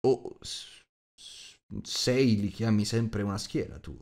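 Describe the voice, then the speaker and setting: A man voicing a gruff, rude, huge shape-changer who growls and talks bluntly. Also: on the low side, slow, darkish tone.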